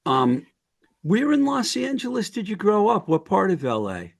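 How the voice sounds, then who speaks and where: A man's voice: sits high, wildly swooping pitch, normal speed, creaky. A man hosting a podcast interview over a video call, an eager fan who often restarts his questions. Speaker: podcast host. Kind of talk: casual interview.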